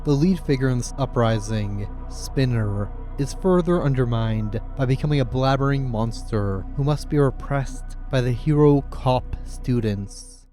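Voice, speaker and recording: Male essay narrator, relaxed mid-range voice, casual and sardonic, faint music bed. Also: medium pitch, a little slow, hardly any pauses. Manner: opinionated, sarcastic, casual swearing. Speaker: video essayist, host. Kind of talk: scripted video essay narration. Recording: music playing under the voice. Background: background music.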